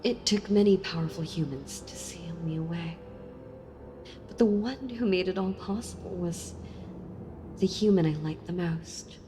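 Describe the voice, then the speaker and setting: A woman playing a sealed-away female villain in an audio role-play, speaking to the listener tenderly, intimately and with hesitant pauses. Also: lowish voice, close to an everyday voice. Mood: wistful, affectionate. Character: sealed-away female villain, wistful, softly seductive and enthralled. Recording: long reverb with music behind. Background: music.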